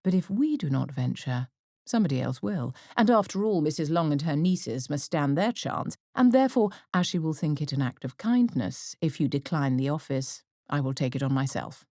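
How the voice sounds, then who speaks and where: A woman voicing a sardonic, reserved middle-aged father in an audiobook, dry, deliberate and mock-courteous. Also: low voice, animated, warm tone, dry recording. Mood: teasing. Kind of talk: audiobook character acting.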